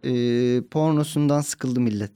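A man's voice: mid-range voice, unhurried, mellow, clean tone, dry recording. Comedian guy on a podcast, dry jokey asides, dead dry close sound. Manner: dry, joking asides, acts out quotes. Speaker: comedian guest. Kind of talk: casual comedy podcast chat.

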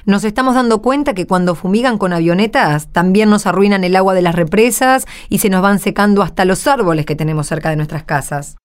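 An actress playing a modest, discouraged rural wife in a radio drama, plain-spoken and hesitant, with an Argentine accent. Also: female voice, mid-range voice, brisk, few pauses, clean tone, natural voice. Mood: concerned. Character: modest, discouraged rural married woman neighbour.

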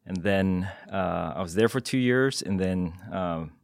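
A middle-aged man answers interview questions in a very low voice. He talks in a measured, hesitant way, full of small fillers. The studio sound is dry. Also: vocal fry, dry recording. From Singapore. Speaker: guest, tech executive. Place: podcast studio.

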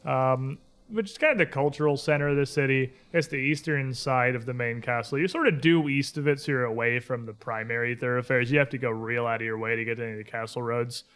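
Bright-voiced man running a tabletop game. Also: mid-range voice, fast talker, few pauses, smooth. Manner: informal, descriptive, animated asides. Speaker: game master. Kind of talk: improvised tabletop game narration.

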